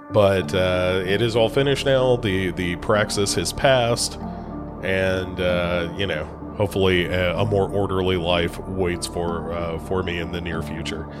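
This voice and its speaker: A man from the United States hosting a podcast, a bit congested from a cold, talking casually with lots of ums and restarts. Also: sits low. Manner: rambling, many fillers and restarts. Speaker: podcast host.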